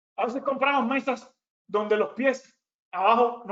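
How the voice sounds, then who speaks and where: A man with a Cuban accent. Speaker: ergonomics specialist. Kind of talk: educational webinar.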